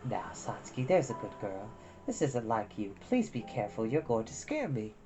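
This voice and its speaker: Gentle old granny for a storybook, reader's put-on voice: low, quiet, slow and comforting. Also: sing-song, faint music behind, lightly acted. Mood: soothing. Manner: slow, soft and soothing. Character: gentle elderly grandmother, soothing and kind. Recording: slightly dull lo-fi recording.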